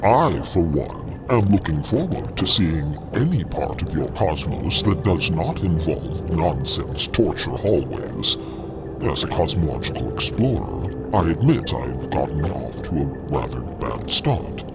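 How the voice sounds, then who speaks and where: A man's voice: rumbling low, sing-song, creaky, exaggerated voice. A man playing a stranded cosmic explorer who speaks in a formal, dryly courteous manner in an audio drama. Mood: formal, wry. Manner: formal, measured, dry. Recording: loud music bed underneath.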